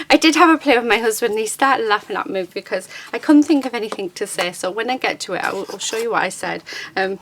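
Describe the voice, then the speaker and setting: Bright, chirpy woman chatting over crafts. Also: mid-range voice, slight background noise. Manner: chirpy, enthusiastic, giggly. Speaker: crafting channel host. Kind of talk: casual chatty craft demonstration. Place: indoors at a craft desk.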